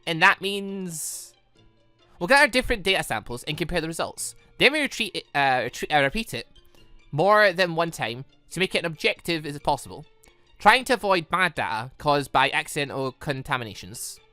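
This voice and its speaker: A woman's voice: sits low, sing-song, moderate pace, sharp tone, no echo, soft background music, heavily acted. A woman voicing an earnest, formal young android girl from a visual novel, with precise, methodical wording.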